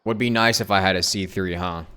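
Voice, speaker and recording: A man's voice: low voice, steady tone, fairly quick, bright, forceful tone, clean tone. A man giving chatty, reactive live commentary as a game streamer. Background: game music.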